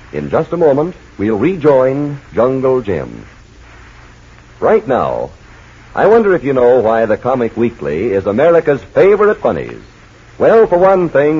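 Lively old-time radio announcer, a man. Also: medium pitch, husky. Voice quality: lively, selling tone. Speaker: announcer and narrator. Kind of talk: 1940s radio narration and ad read. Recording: tinny old radio broadcast.

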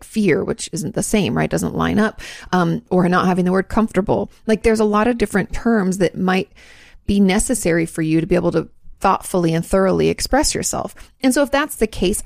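A woman with a fairly low, gravelly, slightly mellow voice hosts an advice podcast as a marriage and family therapist. She answers listener questions in a casual, chatty way, correcting herself and laughing at her slips, with clean studio sound and no room sound.

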